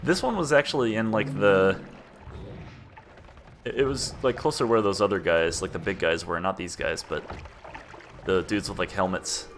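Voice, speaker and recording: Low-voiced, monotone male game streamer. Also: moderate pace, long pauses, slight background noise. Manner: monotone, laid-back. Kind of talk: casual gameplay commentary.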